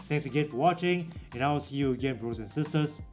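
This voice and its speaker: Guy doing a tech review, voice a bit high, chill explainer tone, faint music behind. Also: brisk, darkish tone. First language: English. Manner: casual, explanatory, direct. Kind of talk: product walkthrough.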